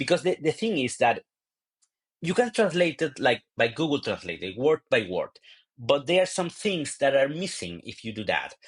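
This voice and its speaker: A man with a Spanish accent and vocal fry speaks at a moderate pace with very wide pitch swings, in a dry, close sound with no echo against a quiet background. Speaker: psychiatrist and researcher. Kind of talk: podcast interview. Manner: halting, many fillers and repeats.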